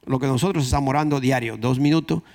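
A man's voice: medium pitch, fast, a little mellow. A man with a Dominican accent preaching a conversational sermon, repeating key phrases for emphasis. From Dominican Republic.

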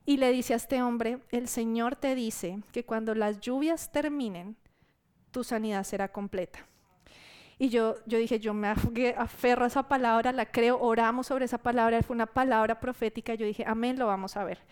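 A woman preacher giving a sermon testimony to her church, telling the story in a lively way and acting out what people said. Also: on the high side, normal speed, clean tone.

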